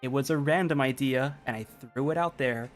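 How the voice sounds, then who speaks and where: A woman game streamer with an extremely low voice gives casual reaction commentary. She rambles emphatically, with soft music playing behind her. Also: a little fast.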